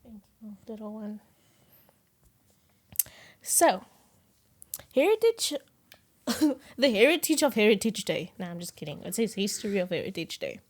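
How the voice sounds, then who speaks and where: A young South African woman co-hosting a podcast in casual chat, animated, laughing often and sometimes dropping to a whisper. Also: mid-range voice, normal speed, long pauses. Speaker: podcast co-host.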